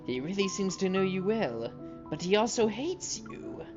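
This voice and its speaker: A man's voice: high voice, sing-song, measured pace, voice pushed up. A man voicing a playful young heroine who slips into a mock witch voice, teasing and theatrical. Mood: curious. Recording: muffled, game music behind.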